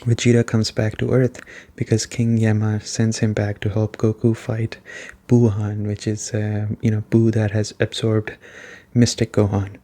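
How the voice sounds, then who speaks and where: A man giving a soft-spoken, casual ASMR-style video game review in a conversational way. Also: lowish voice, completely flat delivery, a little slow.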